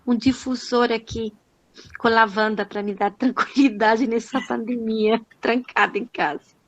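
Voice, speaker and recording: Older Chilean woman, reflective, high voice. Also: highs cut off. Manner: reflective, says "né" constantly. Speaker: audience participant. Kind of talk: casual chat. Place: home.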